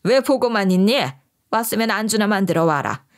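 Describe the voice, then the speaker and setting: A woman's voice: mid-range voice, expressive, brisk, natural voice. A woman voicing a bossy, scornful middle-aged mother-in-law who barks orders and scolds. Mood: commanding. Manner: harsh, scolding, shouting.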